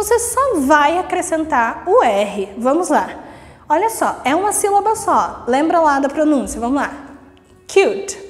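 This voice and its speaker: A woman teaching English grammar in a recorded online lesson, lively and encouraging, reading rules slowly and then explaining them. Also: sits high, long reverb tail. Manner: lively and encouraging, repeating "vamos lá" and "ok?".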